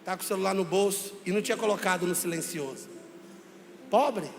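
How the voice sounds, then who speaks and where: A man, a pastor telling a humorous story in a sermon, lively and acting out voices. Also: high-pitched, brisk, vocal fry. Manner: lively comic storyteller who acts out voices. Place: church. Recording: reverberant church hall, faint room noise.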